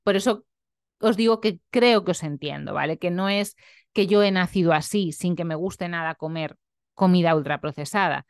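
A woman's voice: on the low side, normal speed, smooth, no echo, studio quality. A young woman nutritionist talking earnestly and openly in a personal vlog, often adding tag questions. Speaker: nutritionist and vlogger. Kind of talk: reflective personal vlog talk.

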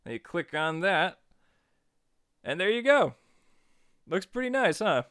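Clear-voiced man giving a casual tutorial. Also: high-pitched, sing-song, measured pace, fairly bright tone, no room sound, clean studio sound. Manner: chatty, informal step-by-step instructing. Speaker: tutorial host. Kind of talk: casual software tutorial narration.

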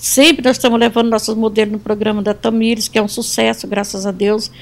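A woman's voice: on the high side, level tone, brisk. A woman who owns an atelier, giving an earnest speech of thanks indoors and sprinkling it with religious phrases. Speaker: atelier owner, guest.

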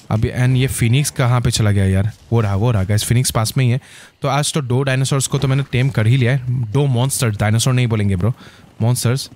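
A man hosting his gaming channel, giving excitable gameplay commentary and calling out to his viewers constantly. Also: mid-range voice, slight background noise. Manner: excitable, keeps saying "guys".

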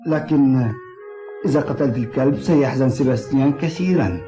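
A man's voice: medium pitch, brisk, music in the background, lightly acted. A man playing an earnest, concerned young village doctor in a cartoon dub. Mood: sad, pleading.

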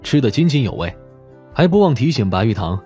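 A man's voice: mid-range voice, big pitch swings, brisk, warm tone. A man reading a detective audiobook as a scripted narration. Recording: music behind the voice.

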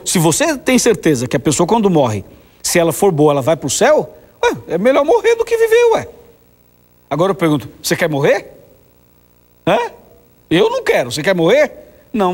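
A man, a pastor giving a conversational sermon full of rhetorical questions and acted-out quotes. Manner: acts out quoted voices with sudden high pitch jumps.

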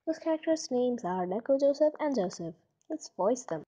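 A woman's voice: a little high, animated, moderate pace, dark tone, dull audio. A young woman chatting casually and awkwardly, hesitant and self-conscious, as an amateur voice actor. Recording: faint background noise with clicks.

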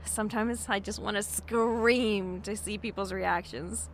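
A woman playing a shy, friendly young bookstore worker in an audio drama, soft-spoken and hesitant. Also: medium pitch, steady tone, measured pace, a little hiss or hum, close to an everyday voice.

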